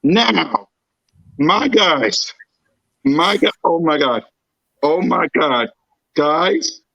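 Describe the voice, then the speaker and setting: Man, sports podcast host, hype fan energy, hoarse scratchy voice, high and slow. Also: dry recording, lo-fi sound. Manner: excited, hype fan talk. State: scratchy voice from screaming. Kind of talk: casual sports podcast chat.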